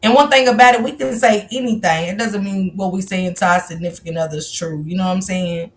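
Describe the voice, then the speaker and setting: Talking fast in a mid-range voice, a woman in her 40s hosts a livestream, speaking straight to viewers, calling them baby, and keeping the chat candid and confessional. She uses a livestream mic.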